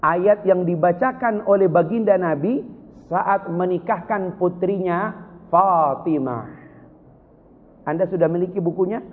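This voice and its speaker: A man preaching a sermon from Sulawesi, lively, with sudden high emotional cries. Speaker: Islamic preacher. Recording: tinny lo-fi with long hall reverb.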